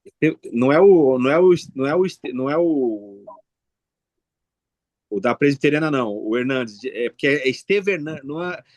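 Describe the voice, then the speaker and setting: A man's voice: medium pitch, expressive, normal speed, a little mellow, no room sound. A man, a pastor in a Bible study, tells an anecdote at length and often searches for names mid-sentence.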